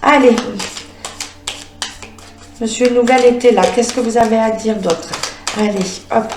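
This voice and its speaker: A woman medium reads oracle cards aloud in a halting, searching way, breaking up her words with frequent filler sounds. She talks to the cards as though they could answer her. The room is echoey, with a faint noise underneath. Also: a little high, fairly even intonation, a little mellow. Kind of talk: spoken card reading with visions.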